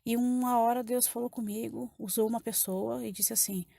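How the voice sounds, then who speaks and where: A woman's voice: on the high side, steady tone, normal speed, gravelly, dark tone, no echo, studio quality. A woman with a Brazilian accent giving an emotional personal testimony to a church congregation, repeating phrases as she tells her story. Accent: Brazilian Portuguese.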